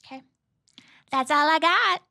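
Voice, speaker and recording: A woman's voice: very high voice, measured pace, vocal fry, sharp tone. A woman co-hosting a podcast, asking questions in a playful, informal chatty style. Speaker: podcast co-host and producer. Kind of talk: casual chat, asking questions.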